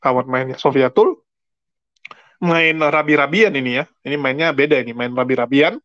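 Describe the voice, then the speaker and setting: A man's voice: medium pitch, normal speed, fairly bright tone, no echo. Chatty Indonesian man, dull lo-fi sound. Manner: chatty, explains with everyday examples and mock English. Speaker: religious commentary channel host. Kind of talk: casual commentary monologue.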